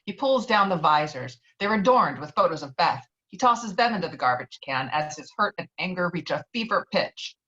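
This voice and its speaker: A woman's voice: fairly low pitch, very animated, normal speed, hardly any pauses, pushed and bright. A woman narrating stage directions from a screenplay at a virtual table read, recorded over an online call. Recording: dull lo-fi online call audio.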